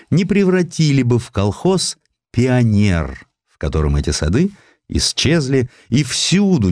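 A man giving an expressive scripted narration of a historical story, with an ironic, theatrical way of telling it. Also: deep voice, no echo, clean studio sound. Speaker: narrator of a historical audio sketch.

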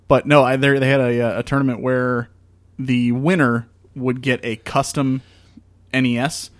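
A man's voice: mid-range voice, little pitch movement, measured pace, dry recording. A man with a New Jersey accent hosting a gaming podcast, bantering, teasing and laughing with his co-hosts. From US East Coast. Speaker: podcast host. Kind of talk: casual chat.

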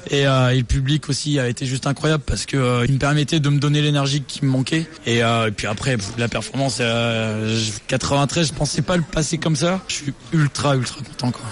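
A man speaking in an interview after his performance, hesitant and overjoyed. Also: medium pitch. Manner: halting, hesitant, elated. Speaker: athlete interviewed. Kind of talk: post-event interview clip.

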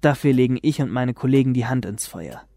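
A polite, clever young detective. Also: male voice, medium pitch, lively intonation, brisk, gravelly, warm tone. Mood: confident. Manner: polite, self-assured. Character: calm, clever teenage boy detective. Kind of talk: German radio drama acting.

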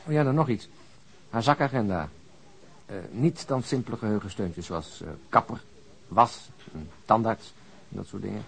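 A wry, easygoing male detective in a radio play. His voice sits fairly low. He reports conversationally, with dry, teasing relish, like a colleague talking shop. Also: normal speed, creaky, a bit bright. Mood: wry, reporting. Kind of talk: naturalistic radio drama dialogue.

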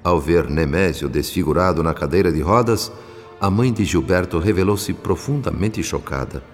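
A Brazilian actor playing a solemn spirit narrator in a radio drama, telling the tale in measured, literary diction. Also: male voice, deep voice, close to an everyday voice. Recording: long reverb, music underneath.

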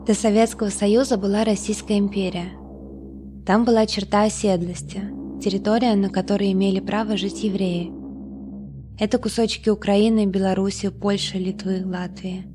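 A woman reading an audiobook in a calm, measured first-person narration. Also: mid-range voice, a little hiss or hum.

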